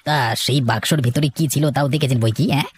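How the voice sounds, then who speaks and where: Guy doing a flattering nosy neighbour man in a cartoon, lower husky voice. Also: fairly quick, natural voice. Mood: teasing, friendly. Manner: flattering, inquisitive. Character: polite, teasing working man, neighbour of old gentleman. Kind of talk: cartoon story dialogue.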